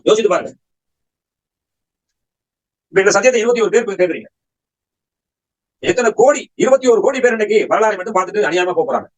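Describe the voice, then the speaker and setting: A man's voice: sits high, expressive, fast talker, pauses often, rough recording. A man preaching a Bible study sermon, firing rhetorical questions at his listeners and pressing his points with emphatic exhortation.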